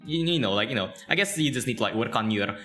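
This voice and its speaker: Man, Southeast Asian accent, casual host, rambling filler-heavy chat, animated pitch, faint music. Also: very fast. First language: not English. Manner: rambling, full of "like, you know", laughs often. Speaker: interview host.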